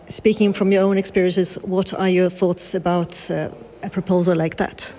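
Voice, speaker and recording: A woman's voice: lowish voice, little pitch movement, normal speed, dark tone. A woman radio reporter with a Swedish accent, asking interview questions with many hesitant ums.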